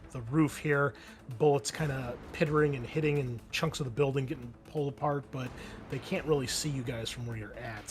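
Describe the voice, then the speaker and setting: Man game-mastering over background music. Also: medium pitch. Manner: casual, improvised scene description. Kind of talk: narrating a tabletop roleplaying game.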